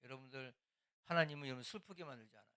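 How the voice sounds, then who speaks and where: A man's voice: mid-range voice, rapid-fire, pushed and bright, clean tone. An older man, a pastor, teaching church small-group leaders in a loose, conversational way, now and then acting out scolding lines. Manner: conversational preaching, acts out scolding quotes.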